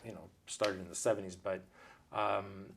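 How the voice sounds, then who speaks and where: A man's voice: low-pitched, level tone, moderate pace, gravelly, fairly bright tone. A man in his forties whose first language is Italian, telling rambling stories as a guest musician in a casual interview. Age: 40s. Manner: chatty, rambling storyteller.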